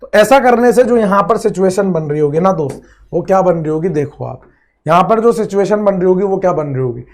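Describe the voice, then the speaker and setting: Male chemistry teacher, high-pitched voice, repeats each step, classroom lecture. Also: expressive, a little fast. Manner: repeats phrases, drills students, calls them friend.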